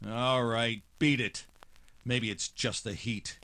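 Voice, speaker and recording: An actor playing a hard-boiled, wry private detective with terse, sardonic wisecracks, in old-time radio noir style. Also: male voice, medium pitch, fairly even intonation, slow, bright, forceful tone, dry recording. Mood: confrontational.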